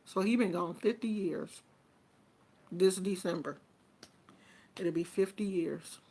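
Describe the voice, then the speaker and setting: Casting: woman in her fifties, relaxed and chatty host talking straight to viewers. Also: on the low side, slow, slight background noise. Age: 50s. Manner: chatty and informal, with colloquial phrasing. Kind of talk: casual live chat with viewers.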